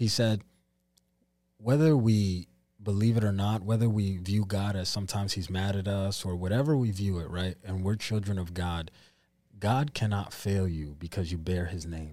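In a very clean recording with a silent background, a man with a fairly low pitch and a dark, mellow tone speaks at a moderate pace with ordinary pitch variation. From Ghanaian and Ivorian heritage. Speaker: podcast host. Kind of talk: casual chat.

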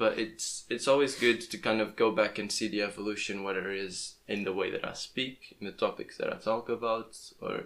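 A man speaks at a moderate pace. He has a Portuguese accent. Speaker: podcast host. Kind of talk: casual interview chat.

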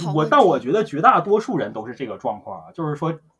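A man talking at a very fast pace. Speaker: podcast guest, data analysis enthusiast. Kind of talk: casual chat. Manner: halting, many fillers and repetitions.

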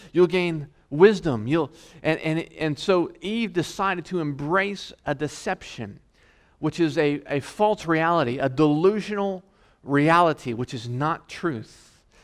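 At a fairly slow pace with ordinary pitch variation, the speech comes through on a very clean recording with a silent background. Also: man, fairly high pitch for a man. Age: 40s. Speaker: pastor. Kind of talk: sermon. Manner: animated.

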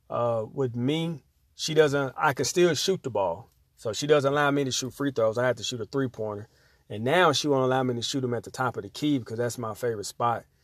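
At a fairly quick pace, a man uses a normal speaking voice with a medium pitch and ordinary pitch variation. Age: 40s. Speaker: basketball skills coach and podcast host. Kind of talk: solo podcast talk. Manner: casual, with many fillers.

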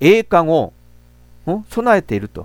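Fairly slow speech with a Korean accent, ordinary pitch variation, and a dry, close sound with no echo. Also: man, very clean recording, silent background. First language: Korean (speaking Japanese). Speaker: pastor. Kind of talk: sermon.

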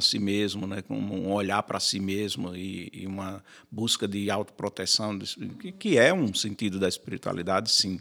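At a moderate pace, a man speaks in a normal speaking voice with fairly low pitch. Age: 60s. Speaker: spirituality expert. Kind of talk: panel discussion.

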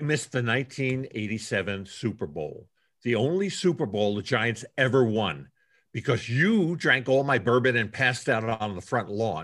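A man with a plain, everyday voice speaks at a medium pitch and a fairly slow pace. His intonation is lively, and the background is quiet. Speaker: actor in a play reading. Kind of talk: dramatic play reading. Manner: agitated, distracted, excitable.

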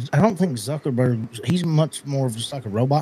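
The voice is quiet and somewhat breathy. Its tone is dark and mellow. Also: man. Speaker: podcast co-host. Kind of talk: casual chat. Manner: quiet on mic.

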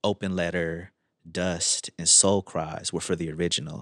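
A man speaks with an American accent at a very deep, low pitch. The background is quiet. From Seattle, US. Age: 40s. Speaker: rapper. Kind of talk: casual chat. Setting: studio.

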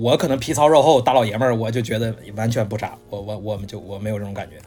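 A man with a northeastern Chinese accent, music in the background. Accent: noticeable northeastern Chinese. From northeastern China, Harbin. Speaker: film and TV worker, outdoor gear enthusiast. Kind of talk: casual chat.

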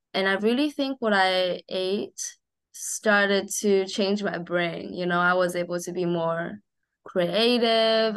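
A woman talks with a Chinese accent. Her pace is very slow. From Shanghai, China. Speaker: traditional Chinese medicine food therapist and dietitian. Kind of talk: casual interview conversation.

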